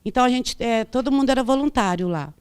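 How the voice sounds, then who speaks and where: A woman speaks as a witness at a formal hearing, hoarse from a cold. Her voice still carries smooth and resonant underneath the roughness. She talks plainly and haltingly, circling back to repeat her points. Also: a little high, animated. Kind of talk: formal testimony.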